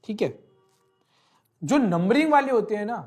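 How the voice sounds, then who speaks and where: With a high voice, lively intonation and a moderate pace, a man teaches law online, going through a legal text. He mixes English legal terms into Hindi, repeats phrases, and regularly asks "thik hai" to check on the listener.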